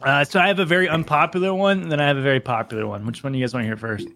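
A man's voice: a little high, fairly even intonation, very fast, sharp tone. A man co-hosting a podcast, ranting comically with lots of swearing in casual chat. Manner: profane comic rant. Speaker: podcast co-host.

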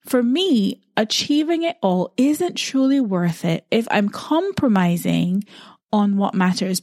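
A woman's voice: medium pitch, a little mellow, no echo, studio quality. A woman, hosting a solo podcast and telling a personal story in a reflective, conversational way. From Barbados. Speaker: podcast host.

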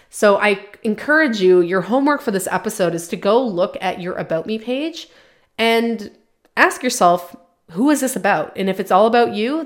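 Blunt, animated woman podcast host. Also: mid-range voice. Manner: blunt, animated, swears casually. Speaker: podcast host, business coach. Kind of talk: solo podcast monologue.

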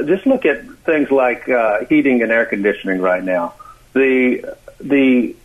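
An American man explaining as a radio interview guest, calling in, with halting speech full of uhs and repeated words. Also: on the low side, slightly rough. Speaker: interview guest, clean energy expert. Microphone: phone call. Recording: tinny, narrow phone line.

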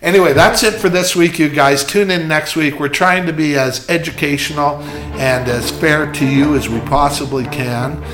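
A man's voice: fairly high pitch, normal speed, fairly bright tone, soft background music. A man hosting a casual podcast about jewelry, telling candid stories with emphasis. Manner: chatty storyteller, candid and emphatic. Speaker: jeweler and show host.

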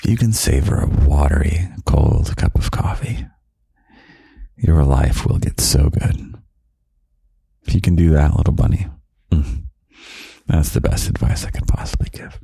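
A young man hosting a podcast of gentle, half-whispered comfort talk, slow and soft with quiet chuckles, close to the microphone. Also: extremely low pitch, creaky, slightly rough, dry recording. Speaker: podcast host.

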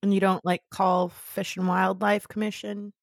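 A woman's voice: medium pitch, level tone, normal speed, creaky, no echo, clean studio sound. A woman with a Midwestern American accent chatting casually and playfully as a podcast co-host. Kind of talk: casual chat.

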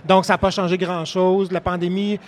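A man's voice: high voice, flat delivery. A man hosts a book fair interview, hesitating often with fillers as he asks questions. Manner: many fillers, halting. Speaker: bookseller and literary host.

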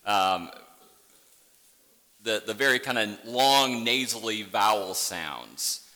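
A middle-aged male pastor, raised in the Upper Midwest, with an Upper Midwest accent softened by a Southern tinge, preaching a sermon in a gentle, conversational way. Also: on the low side, takes it slowly, big-room sound. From Michigan, Upper Midwest. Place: church sanctuary.

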